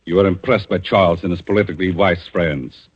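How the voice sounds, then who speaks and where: A man with a low, breathy-edged voice takes the role of a calm, vengeful avenger in 1940s radio drama. He sounds accusing yet measured and theatrical, captured on a dull old broadcast recording.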